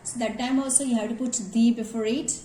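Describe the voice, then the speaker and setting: Woman, school grammar teacher, high mellow voice, patient and repetitive. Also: fairly even intonation, brisk, reverberant, slight background noise. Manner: addresses students directly, repeats "yes" as a check. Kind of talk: classroom grammar lesson.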